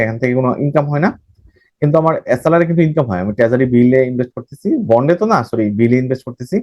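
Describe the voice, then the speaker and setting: A man's voice: medium pitch, a little mellow, no echo. A man from Bangladesh, giving a recorded banking lecture and repeating phrases as he explains. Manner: explains by repeating phrases, mixing in English terms, self-corrects. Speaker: banking exam tutor.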